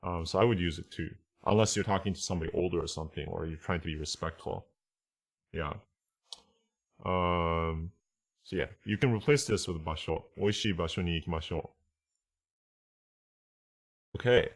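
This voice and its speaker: A man with a low-pitched voice teaches a casual online language class. He explains and translates while thinking aloud, often pausing to check that everyone follows.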